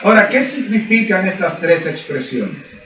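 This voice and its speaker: A man preaches a sermon in a high, ringing voice. He builds his points through emphatic repetition and rhetorical questions to the congregation. The sound is roomy and echoing, caught by a mic some distance away. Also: big pitch swings, normal speed, a bit bright. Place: church service.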